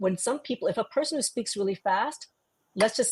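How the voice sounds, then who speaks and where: At a fairly quick pace, a woman speaks with a somewhat breathy voice. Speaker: executive coach and communication specialist. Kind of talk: interview.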